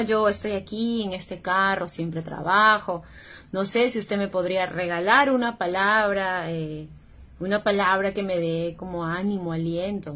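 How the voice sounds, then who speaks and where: A middle-aged woman talks through a home livestream in a loose, rambling way, circling back and repeating phrases as she goes. Her voice sits a little high and has a husky edge. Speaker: livestream host. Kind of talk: casual faith-based livestream talk.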